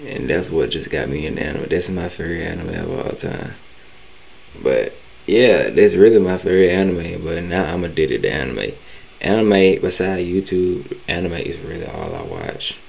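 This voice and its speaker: A young man doing casual, slangy, excitable reaction commentary on a home stream. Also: low-pitched, normal speed, vocal fry, slight background noise.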